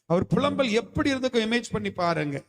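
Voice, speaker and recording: Male pastor, very high voice, preaching with fervor in a reverberant church hall. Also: very animated, brisk. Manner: impassioned preaching, calls for hallelujah responses. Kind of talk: fervent Tamil sermon.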